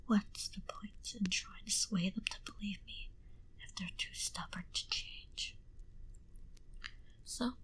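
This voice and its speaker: A woman voicing a proud, menacing vampire in a whispered ASMR roleplay, speaking deliberately and condescendingly into a close binaural mic. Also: medium pitch, close to an everyday voice, low-quality recording. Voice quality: breathy, hushed whisper. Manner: slow, deliberate, coolly condescending to the listener. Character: proud, menacing female vampire recounting her past. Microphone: close binaural microphone.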